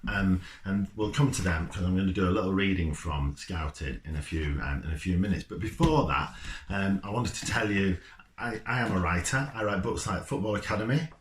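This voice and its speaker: A man's voice: low voice, fairly quick, slight background noise. A man who writes children's books, talking informally and reading a story aloud. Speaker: children's football author. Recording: roomy, echoey indoor sound.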